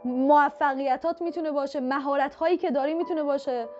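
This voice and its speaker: A woman with a high voice talks straight to the listener in a motivational self-help style. She coaches with direct, repeated points. The audio is slightly dull, with faint music underneath. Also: steady tone, darkish tone. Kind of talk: motivational talk to the viewer.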